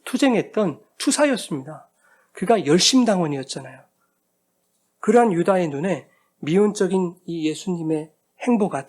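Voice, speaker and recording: A man's voice: high voice, a little mellow. A male pastor preaching a sermon, emphatic and full of rhetorical questions to the congregation.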